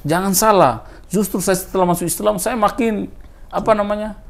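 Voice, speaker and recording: Animated man telling his faith story. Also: high-pitched, normal speed, gravelly. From Timor Leste. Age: 30s. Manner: animated storyteller, voice rising with emphasis. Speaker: interviewee. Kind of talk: personal testimony in casual interview.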